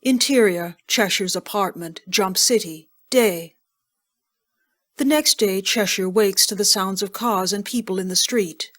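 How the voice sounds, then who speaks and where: A woman's voice: mid-range voice, measured pace, a bit bright. A woman narrator reading scripted scene headings and action for an audio drama.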